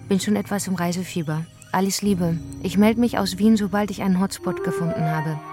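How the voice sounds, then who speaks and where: A woman's voice: on the low side, fairly even intonation, fairly quick, music in the background, lightly acted. A woman reading emails and notes as scripted narration in a radio play. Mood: composed.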